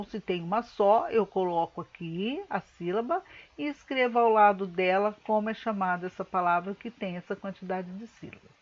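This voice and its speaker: A woman teacher giving a recorded lesson, patiently explaining step by step and slowing words down to split them into syllables. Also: mid-range voice, dull audio. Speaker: schoolteacher.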